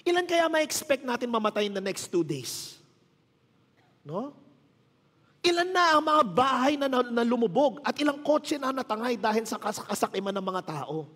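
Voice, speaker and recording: A man's voice: very high voice, big pitch swings, moderate pace, fairly bright tone, husky, long reverb tail. A man in his thirties with a Filipino accent, a pastor telling stories in a casual sermon with joking asides, his voice strained and tired. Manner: storytelling, mixing Tagalog and English, joking asides. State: tired, strained voice from little sleep. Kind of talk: conversational sermon.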